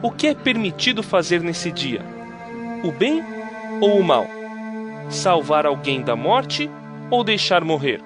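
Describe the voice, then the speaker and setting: A man playing Jesus, a grown man who teaches with authority in an audio Bible drama, with an earnest, lively delivery. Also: on the high side, slow pace, long pauses. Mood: questioning. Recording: music playing underneath.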